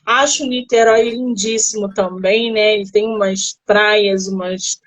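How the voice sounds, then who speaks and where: A woman's voice: mid-range voice, fairly even intonation, unhurried. A woman from Rio with a Carioca accent, hosting a casual livestream interview with an author, chatty and full of exclamations. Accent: Carioca Brazilian Portuguese. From Rio de Janeiro, Brazil. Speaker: interview host of a literary livestream. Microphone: phone livestream.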